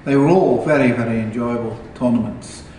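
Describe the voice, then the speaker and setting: A man's voice: mid-range voice, warm tone, a little hiss or hum. Older man speaking in an echoey hall. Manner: unhurried, hesitant with fillers. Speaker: retired teacher and tournament founder. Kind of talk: casual interview answers. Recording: echoey hall, mic at a distance.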